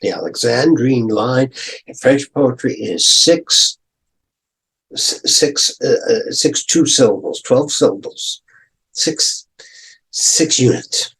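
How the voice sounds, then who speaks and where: Older male lecturer, unhurried, animated reading voice with a husky edge. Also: low-quality recording. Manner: animated, dramatic recitation with sudden high exclamations. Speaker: professor. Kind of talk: close reading lecture on a poem.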